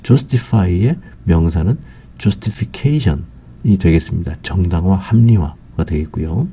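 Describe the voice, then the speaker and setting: A man teaching English vocabulary in a slow, patient lecture, Korean his first language, pausing often with fillers. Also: deep voice, expressive, warm tone, husky.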